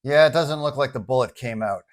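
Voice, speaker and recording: A man's voice: mid-range voice, fairly quick, natural voice. A man voicing a wounded, wearily sarcastic male superhero in an audio storybook, wry and matter-of-fact. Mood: strained, matter-of-fact.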